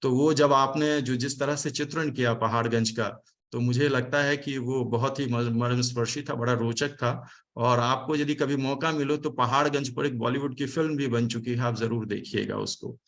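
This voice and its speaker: A man from India speaks in a formal, explanatory way over a video call. His pitch sits in the middle range, and he often pauses and corrects himself mid-sentence. He sounds like a speaker addressing an online seminar. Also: steady tone, a bit bright. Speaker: speaker giving vote of thanks.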